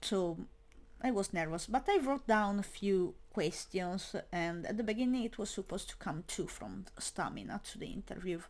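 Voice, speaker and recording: A young woman who makes metal media speaks English as a second language in a casual monologue. Her medium-pitched, darkish voice is animated and moves at a normal speed, though she hesitates a lot, with plenty of fillers and restarts.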